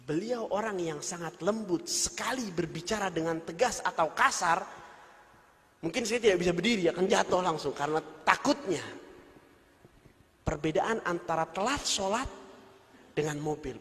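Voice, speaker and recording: Male preacher, high-pitched, storytelling sermon with a long reverb tail. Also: expressive, moderate pace, fairly bright tone. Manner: recounts childhood anecdotes, then exhorts.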